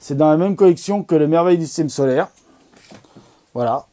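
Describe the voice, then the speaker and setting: Rambling, enthusiastic man with a mellow voice. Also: fairly high pitch, a little fast, a little hiss or hum. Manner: enthusiastic, rambling, many fillers and restarts. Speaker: amateur astronomy video host. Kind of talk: casual product recommendation talk.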